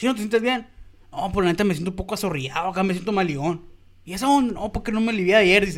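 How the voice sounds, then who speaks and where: In a Mexican accent, a man speaks very fast in a high, animated voice with ordinary pitch variation. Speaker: podcast host. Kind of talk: casual chat.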